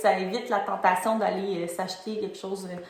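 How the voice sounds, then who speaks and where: A woman with a Quebec accent, at a fairly quick pace and ordinary pitch variation, over noticeable background noise. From Gatineau, Quebec. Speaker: primary school teacher and vlogger. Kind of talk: casual conversation about personal finance.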